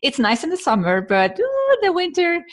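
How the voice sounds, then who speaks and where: A woman's voice: very high-pitched, huge pitch swings, normal speed. A middle-aged woman from Iceland hosting a podcast interview in a friendly, conversational way. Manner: friendly, conversational, laughs easily. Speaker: podcast host. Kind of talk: casual interview chat.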